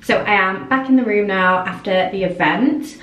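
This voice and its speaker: A young woman, vlogging casually to camera, a little croaky from a cold, with lots of ums. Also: mid-range voice, moderate pace, music in the background. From England. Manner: chatty, friendly, many ums. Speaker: beauty vlogger. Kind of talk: casual vlog chat to camera. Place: hotel room and tiled bathroom. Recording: echoey room sound.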